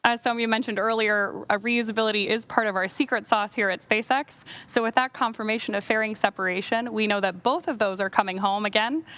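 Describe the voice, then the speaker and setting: A woman's voice: mid-range voice, steady tone, fairly quick, few pauses, fairly bright tone. A woman hosting a live launch webcast, explaining things step by step as commentary.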